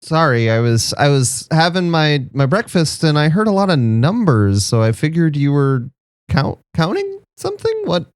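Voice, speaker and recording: A player voicing a polite, halting adventurer. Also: mid-range voice, wildly swooping pitch, clear, resonant tone, no room sound, studio quality, pitched above the performer's own voice. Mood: apologetic. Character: polite, eager young male adventurer.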